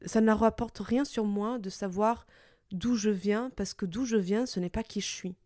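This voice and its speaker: A young woman from Portugal, a native Italian speaker with an Italian-Portuguese accent, hosting a reflective personal podcast monologue, thoughtful and hesitant with many pauses and restarts. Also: mid-range voice, steady tone, mellow, dry recording, studio quality. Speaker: podcast host.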